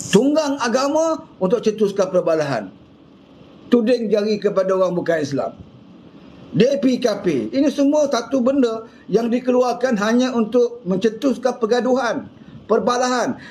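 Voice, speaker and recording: A man with a Malaysian Malay accent giving a fiery political monologue full of scolding rhetorical questions. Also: sits high. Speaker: political commentator.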